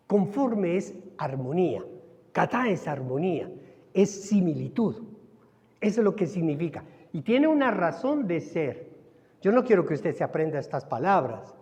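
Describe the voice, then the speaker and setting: A man with a Colombian Spanish accent preaching a sermon as pastor, stretching some words slowly and then rising in sudden emphasis. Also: on the high side, a little mellow. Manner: preaching with dramatic slowdowns and sudden rises. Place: church hall. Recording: dull recording in a reverberant hall.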